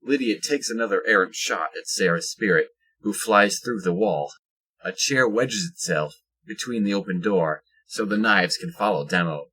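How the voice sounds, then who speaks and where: A man's voice: on the low side, normal speed, bright, forceful tone, slightly rough, low-quality recording. A man reading scripted present-tense action narration for an audio drama.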